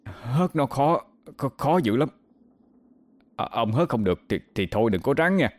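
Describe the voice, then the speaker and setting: A man's voice: mid-range voice, lively intonation, moderate pace, no echo, pitched above the performer's own voice, lightly acted. A man voicing a terrified young country lad who stammers and panics. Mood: nervous.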